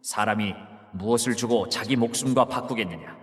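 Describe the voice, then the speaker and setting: An actor playing Jesus as a grave, authoritative teacher in a dramatized scripture reading, speaking in a solemn, measured way. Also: male voice, lowish voice, natural voice. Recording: long hall reverb.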